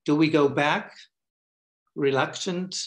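A middle-aged man on a headset video call from a room at home, speaking haltingly with many fillers. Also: a little high. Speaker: panelist.

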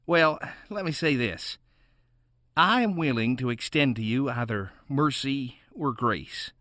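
A man playing a gentle, merciful gardener who speaks in a formal, old-fashioned way in an audio drama. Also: medium pitch, animated, measured pace, no echo, studio quality. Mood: kindly, solemn.

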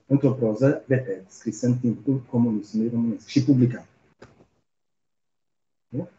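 A man's voice: medium pitch, warm tone. A man giving an academic keynote, telling a story and checking in with the audience through rhetorical questions. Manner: storytelling with frequent rhetorical "nu?" tags. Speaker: keynote speaker. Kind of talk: academic lecture, retelling a story. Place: conference hall. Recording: roomy, dull lo-fi lecture recording.

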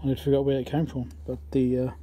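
A man's voice: mid-range voice, monotone, very fast, warm tone. A man giving casual commentary as he repairs electronics, thinking aloud as he works at a workbench. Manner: muttering, thinking aloud while working.

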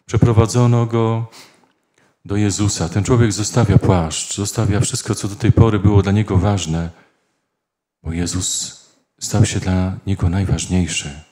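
A man preaching a sermon as a priest, earnest and speaking in short phrases with pauses. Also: fairly low pitch, fairly even intonation, warm tone.

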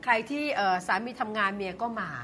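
A woman hosting a political talk show, talking in an animated, sarcastic way and laughing often. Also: mid-range voice, brisk, a little hiss or hum.

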